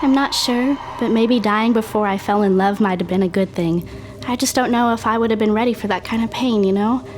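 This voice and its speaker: A woman's voice: fairly high pitch, a little fast, background noise, natural voice. Woman playing a wry ghostly narrator. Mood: wry, wistful. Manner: wry, confiding. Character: wry dead daughter narrating from the grave. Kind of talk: scripted drama narration.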